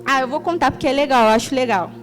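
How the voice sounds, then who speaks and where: A young woman from Rio de Janeiro with a Carioca accent, preaching an extroverted, animated sermon as a church deaconess. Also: sits high, fast talker, soft background music. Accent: Carioca Portuguese. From Rio de Janeiro, Brazil. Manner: extroverted, animated storytelling with laughter.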